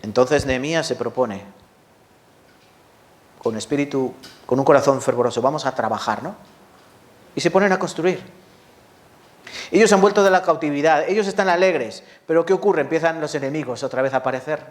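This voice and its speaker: A man's voice: on the high side, moderate pace, long pauses. A man preaching a sermon to his congregation, often asking rhetorical questions and addressing the listeners directly. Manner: rhetorical questions, lively rises and drops. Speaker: pastor.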